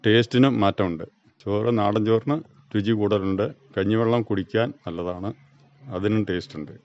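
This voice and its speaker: A man from Kerala, India, speaks in a lowish, steady voice at a fairly quick pace, with a Kerala accent. He's a farmer being interviewed and gives brief, plain, matter-of-fact answers. The audio is a dull, band-limited, dry radio recording.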